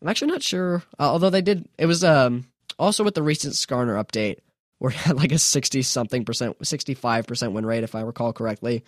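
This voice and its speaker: Young adult male podcast host, casual and rambling, mid-pitched voice, dry close recording. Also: fast talker, no echo. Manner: chatty, self-mocking, rambling with restarts. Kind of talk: casual solo podcast talk.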